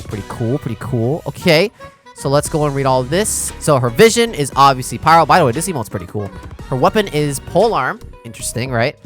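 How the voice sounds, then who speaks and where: A man giving casual reaction commentary on a game trailer, excitable, with frequent exclamations and laughs. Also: medium pitch.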